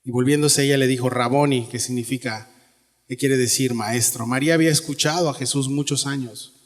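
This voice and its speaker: A man's voice: mid-range voice, steady tone, brisk. A man with a Mexican Spanish accent preaching a sermon in a church, earnest and conversational, often asking the listeners questions. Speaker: pastor. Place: church sanctuary. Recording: long hall reverb.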